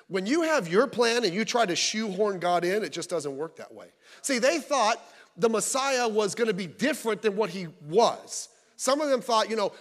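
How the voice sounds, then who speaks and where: High, lively-voiced male pastor preaching. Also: long reverb tail. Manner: conversational, humorous storytelling. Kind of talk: sermon. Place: church service.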